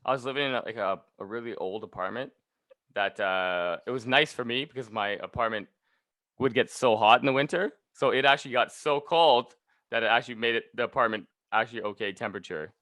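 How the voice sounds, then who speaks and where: A man's voice: medium pitch, brisk, fairly bright tone. A man with a Canadian accent co-hosting a podcast in a casual, chatty style. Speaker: podcast co-host. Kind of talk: casual chat.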